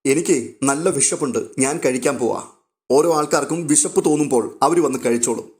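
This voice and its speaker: A man voicing a cold, sharp-tongued older aunt who speaks dismissively. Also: mid-range voice, fast, close to an everyday voice. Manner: dismissive, harsh.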